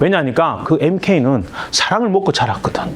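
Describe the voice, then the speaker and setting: Amid noticeable background noise and audible room echo, a man speaks in an animated tone at a high pitch. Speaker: missionary. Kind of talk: lecture. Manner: fast.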